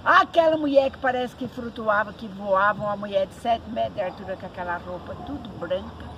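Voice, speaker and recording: A middle-aged woman telling a folk ghost tale in lively, colloquial rural speech, mimicking sounds as she goes. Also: medium pitch, a little fast. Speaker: storyteller. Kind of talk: oral folk storytelling. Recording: noisy recording.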